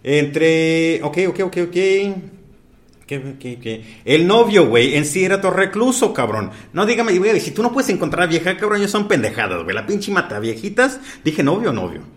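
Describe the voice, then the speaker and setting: Fast-joking Mexican man, slangy banter. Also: a little high, sing-song. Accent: Mexican Spanish. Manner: crude slang-heavy banter, constant swearing fillers. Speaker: podcast host. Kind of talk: casual chat.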